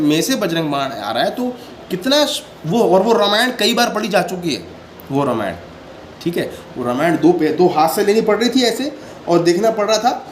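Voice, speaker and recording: A man with a slightly high voice gives a casual devotional talk, earnest and a little defensive as he explains himself at length. He keeps checking in with his listeners as he goes. His phone picks him up in a roomy, echoing space with a faint hiss of noise behind him. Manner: often repeats "ठीक है" to check in with listeners. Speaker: devotional channel host. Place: sitting indoors. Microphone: handheld phone without stand. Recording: echoey room with faint background noise.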